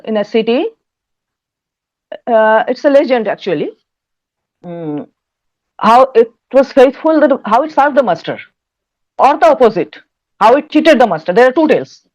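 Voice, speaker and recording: Bengali indian lady, kinda high voice, stops and hunts for words while explaining, muffled lo-fi audio. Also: lively intonation, darkish tone. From West Bengal, India. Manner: halting, searching for words. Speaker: interview guest, folktale researcher and writer. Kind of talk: explanatory interview talk. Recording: dull, lo-fi audio.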